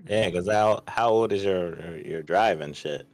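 A man's voice: low voice, measured pace, no echo, faint music behind. A man with an African American English accent, bantering casually as a guest on a podcast.

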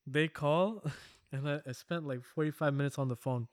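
A man's voice: on the high side, normal speed, no room sound, clean studio sound. Laughing, rambling young-sounding man. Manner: laughs often, swears, rambling storytelling. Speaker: podcast co-host. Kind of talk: casual chat.

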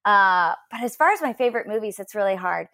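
A woman's voice: medium pitch, lively intonation, quick pace, bright, forceful tone. A woman in casual conversation, talking reflectively and thoughtfully with many fillers and restarts. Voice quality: voice that gets lost. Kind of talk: casual chat.

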